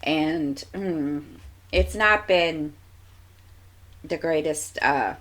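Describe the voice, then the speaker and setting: Low-voiced chatty woman. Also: very slow, fairly bright tone. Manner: chatty, meandering, many fillers and restarts. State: stuffy nose, sniffles. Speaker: crafting vlogger. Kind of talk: casual rambling chat.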